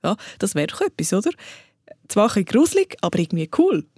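A woman's voice: medium pitch, very animated, fast, a little mellow, no echo, clean studio sound. A woman who talks directly to the listener as she introduces a children's story. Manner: chatty, addresses the listener directly. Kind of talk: scripted narration for children.

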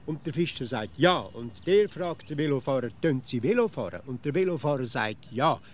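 A man's voice: medium pitch, lively intonation, moderate pace, slight background noise, lightly acted. An actor with a Swiss accent playing a grumpy, impatient man in a children's radio play, grumbling and sarcastic. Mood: exasperated. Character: grumpy, impatient know-it-all grown man.

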